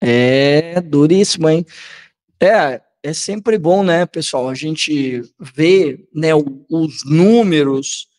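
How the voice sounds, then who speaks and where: A Brazilian man hosting political commentary, reading aloud and commenting in a halting, conversational way that often seeks the listener's agreement. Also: a little high, a little mellow. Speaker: host of a political commentary channel.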